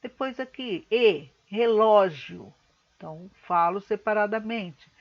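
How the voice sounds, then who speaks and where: A woman teacher giving a recorded lesson, patiently explaining step by step and slowing words down to split them into syllables. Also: mid-range voice, highs cut off. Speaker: schoolteacher.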